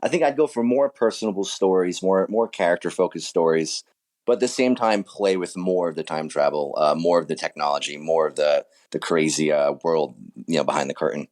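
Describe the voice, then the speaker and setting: A man's voice: deep voice, brisk, darkish tone. A man speaking casually as an author being interviewed, keen and reflective about his work.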